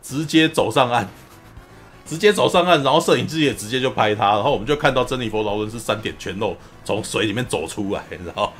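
A man hosting a podcast, recapping a film in a lively, casual storytelling way. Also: fairly low pitch, fast, hardly any pauses, faint music behind. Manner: animated storyteller, often acts out quotes. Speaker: podcast host.

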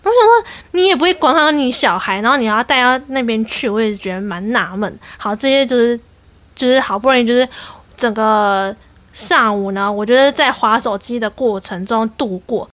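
High-voiced woman telling a story. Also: normal speed. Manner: animated, exasperated, quotes people. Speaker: podcast host. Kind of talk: casual storytelling.

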